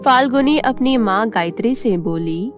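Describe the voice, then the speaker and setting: A woman's voice: fairly high pitch, lively intonation, measured pace. A woman storyteller reading a scripted children's tale as narration. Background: faint music.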